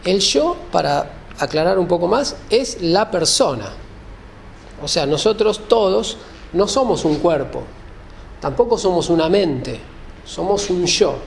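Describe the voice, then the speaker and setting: A man's voice: sits high, animated, measured pace, vocal fry, a little hiss or hum. A man giving an explanatory lecture, speaking didactically, often rephrasing and checking that listeners follow.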